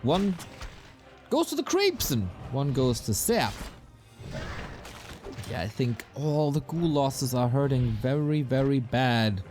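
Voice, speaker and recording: A man casting an esports match play by play, his voice a little raspy, breaking into quick bursts of excitement at big plays. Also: mid-range voice. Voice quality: slightly raspy. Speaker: esports caster. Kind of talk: play-by-play game commentary. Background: game music.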